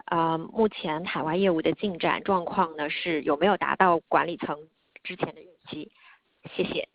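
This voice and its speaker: Woman analyst, formal questioner, slightly low voice, lo-fi call audio. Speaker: financial analyst asking questions. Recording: dull lo-fi phone line.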